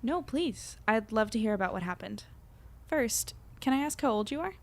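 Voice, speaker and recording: A woman's voice: fairly high pitch, animated, normal speed. A woman playing an earnest, curious young journalist in a fiction podcast, polite and a little hesitant. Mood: friendly, attentive. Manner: hesitant, stammering when caught out, polite. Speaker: newspaper editor and narrator. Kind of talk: fiction podcast acting and narration.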